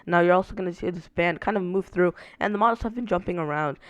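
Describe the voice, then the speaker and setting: Young guy, sick and raspy, casual weather forecast, filler-heavy, dry close recording. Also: sits high, quick pace, a bit bright, no room sound, highs cut off. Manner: many "uh" fillers while walking through maps.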